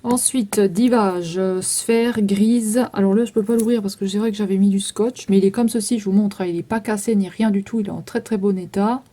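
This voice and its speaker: Mellow-voiced woman listing makeup for sale. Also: medium pitch, fairly even intonation, brisk, hardly any pauses. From France. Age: 30s. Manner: itemizing prices and numbers, many fillers. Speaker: vlogger selling makeup. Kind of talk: casual sales walkthrough.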